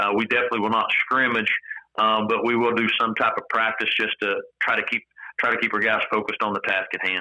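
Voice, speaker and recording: With an Appalachian accent, a man at a medium pitch rattles along at a very fast pace, his delivery monotone and flat and his loudness very even. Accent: Southern US (Appalachian). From East Tennessee. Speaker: college football head coach. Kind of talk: interview.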